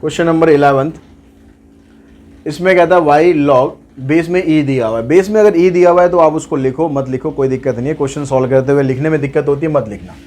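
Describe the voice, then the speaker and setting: A man's voice: a little high, brisk, darkish tone. A man teaching a maths lesson, working through problems step by step and asking and answering his own questions. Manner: explains steps aloud, asks and answers his own questions.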